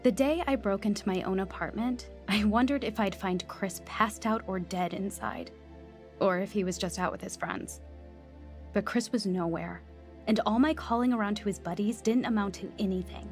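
A woman's voice: mid-range voice, moderate pace, faint music behind, lightly acted. A woman playing an earnest, emotional young Christian convert in a radio drama. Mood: reflective. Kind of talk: radio drama acting and narration.

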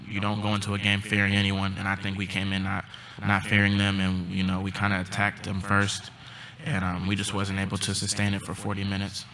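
A young man and college basketball player answering postgame press questions in a subdued, halting way, with many pauses and ums, into a table mic. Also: on the low side, pushed and bright. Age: young adult. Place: press conference room.

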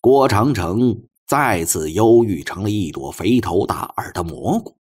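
A man narrating a novel as an audiobook, with measured, expressive, dramatic storytelling. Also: fairly low pitch, slightly rough.

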